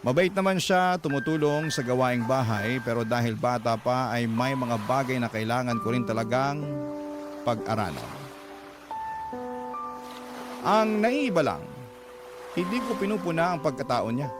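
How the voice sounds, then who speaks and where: Actor doing a proud gay filipino guy telling his life story, dramatic n confiding, loud music behind. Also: mid-range voice, lively intonation, moderate pace, pauses often, natural voice. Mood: earnest. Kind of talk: dramatised first-person radio letter narration. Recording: loud music bed under voice.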